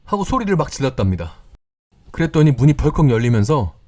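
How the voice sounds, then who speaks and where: A man calmly narrating scripted horror stories in a measured, storytelling way. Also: lowish voice.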